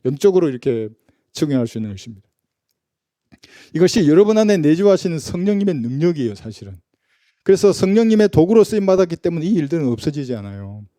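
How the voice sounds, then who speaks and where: A male pastor with a very mellow, warm tone and a fairly high pitch, preaching in a chatty, conversational way. He keeps asking his listeners rhetorical questions, and the sound is dry and close. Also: very animated, fast talker, no echo. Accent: Gyeongsang Korean. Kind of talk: sermon. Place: church.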